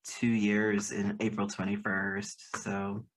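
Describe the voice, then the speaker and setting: A man in his fifties co-hosting, polite and animated, laughing easily. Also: on the low side, takes it slowly, slight background noise. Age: 50s. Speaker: co-host. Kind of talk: casual podcast hosting.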